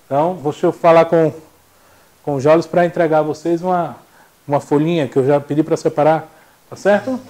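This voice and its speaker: A young adult man teaches a classroom lecture in a jokey, animated way, acting out little voices. His voice is on the high side and his pace is brisk.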